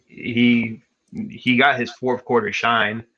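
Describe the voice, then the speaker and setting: A male podcast host in a casual sports chat who talks in an excitable, slangy way. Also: medium pitch, slow pace. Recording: dull lo-fi sound.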